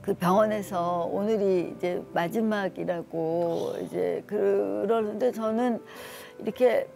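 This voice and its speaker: Middle-aged woman guest, soft dark voice with some fry, telling a personal testimony with deep feeling. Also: slow pace, slight background noise. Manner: earnest, emotional, retells talk with her daughter. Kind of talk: tearful personal testimony on a talk show.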